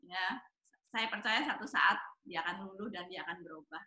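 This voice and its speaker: A woman counseling married couples on a Christian talk show, gentle and hesitant, with many fillers. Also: medium pitch, normal speed, roomy sound. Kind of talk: answering questions on a talk show.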